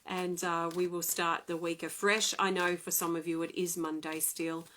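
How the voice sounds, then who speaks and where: A woman, excitedly and chattily reading oracle cards in a live stream from home. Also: lowish voice, moderate pace, a little hiss or hum. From Australia. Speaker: oracle card reader.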